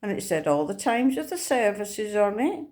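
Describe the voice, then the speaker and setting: A Scottish woman hosting a Christian video, telling her personal faith testimony in an earnest, unhurried way. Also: medium pitch, sing-song, a little mellow. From Scotland.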